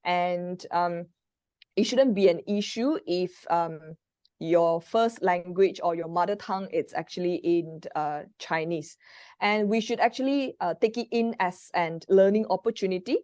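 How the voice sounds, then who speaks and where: A woman's voice: on the low side, unhurried, darkish tone, no room sound. A woman with a Malaysian accent, Mandarin as her first language, hosting a live question-and-answer talk with frequent hesitant fillers. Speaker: moderator and practitioner.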